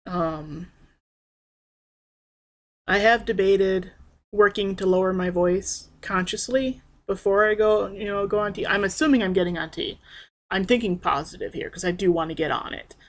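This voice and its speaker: This high-voiced vlogger is a young trans man talking his way through a personal video diary, speaking softly and hesitantly with many pauses and restarts.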